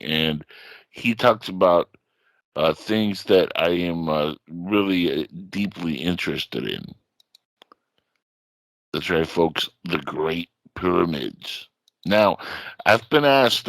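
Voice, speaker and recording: A man's voice: low voice, fairly bright tone, no echo. A middle-aged man hosting an online radio show, delivering a late-night monologue with a touch of theatrical horror-host showmanship.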